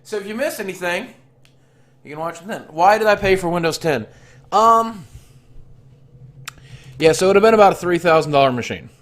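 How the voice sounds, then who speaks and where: A man talks casually to his live-stream viewers in a slightly high voice. He reads messages and tallies prices aloud, stopping often for ums and uhs. Now and then he clears his throat while chewing cough drops. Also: animated, a bit bright. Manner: reads chat and tallies costs aloud, halting with fillers.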